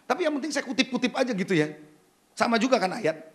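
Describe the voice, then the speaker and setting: A man's voice: extremely high pitch, sing-song, fast talker, a bit bright. A male pastor preaching an emphatic sermon, firing rhetorical questions at the congregation and slipping English phrases into his talk.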